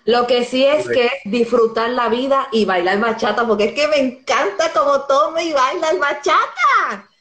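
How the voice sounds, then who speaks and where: A woman's voice: high voice, expressive, moderate pace, few pauses, fairly bright tone, echoey room. A woman in her forties hosting a live video call interview, teasing her guests playfully and laughing often. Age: 40s. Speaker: host. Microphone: phone camera on a video call.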